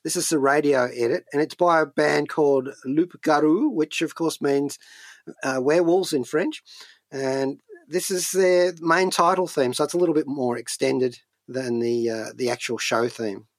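A man's voice: fairly high pitch, normal speed, no room sound. A man chatting as a radio co-host and reviewer, hesitantly repeating words as he goes. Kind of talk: conversational review chat. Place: radio studio.

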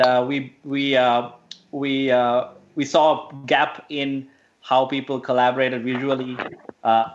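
A man's voice: medium pitch, muffled recording, slight background noise. A man from Sri Lanka, a guest on a radio interview, speaking hesitantly with many fillers and restarts.

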